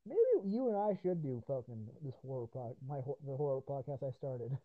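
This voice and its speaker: A man's voice: mid-range voice, expressive, moderate pace, dry recording. A man hosting a podcast in casual chat, swearing, rambling and laughing often, his voice tired after hours of talking. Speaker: podcast host. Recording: tinny phone-like line.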